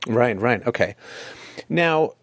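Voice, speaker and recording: A man's voice: mid-range voice, expressive, takes it slowly, dry recording. A middle-aged man hosting an interview, asking questions with dry, joking asides. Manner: dry, joking asides, acts out quoted parents. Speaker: interview host. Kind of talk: conversational interview.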